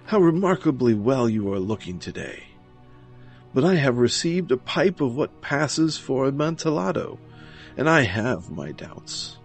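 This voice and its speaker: A man playing a scheming nobleman in a gothic story, flattering and politely feigning reluctance. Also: medium pitch, a little slow, faint music behind, voice pushed up. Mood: falsely cordial. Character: scheming nobleman, falsely courteous, flattering, slyly goading his friend. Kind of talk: dramatic gothic story reading.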